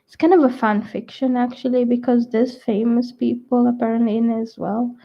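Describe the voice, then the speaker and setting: A woman's voice: on the high side, fairly even intonation, fairly quick. Rambling young woman, dull lo-fi audio. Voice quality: croaky at times. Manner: meandering, full of "like" and restarts. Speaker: vlogger. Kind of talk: rambling casual chat to camera. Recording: dull lo-fi sound.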